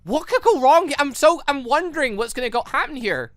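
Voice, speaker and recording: A gaming host with an excitable, rambling, stammering delivery, reading and reacting to a story game. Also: high voice, brisk, no room sound, studio quality, faint music behind. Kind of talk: playthrough commentary, reading dialogue aloud.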